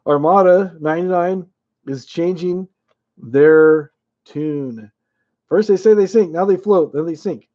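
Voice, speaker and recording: A man's voice: sits high, unhurried, lo-fi sound. A man casually hosting a live-chat trivia game, chuckling often and reading viewers' names aloud.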